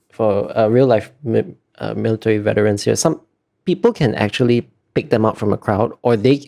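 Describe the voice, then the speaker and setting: Low, creaky-voiced man, thoughtful and hesitant. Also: a little mellow. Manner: hesitant, thoughtful, searching for words. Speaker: interview guest, concept artist. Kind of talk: casual interview talk.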